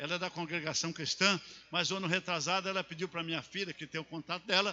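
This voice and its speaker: Pitched high for a man, this man speaks at a very fast pace. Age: 70s. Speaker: pastor. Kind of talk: sermon.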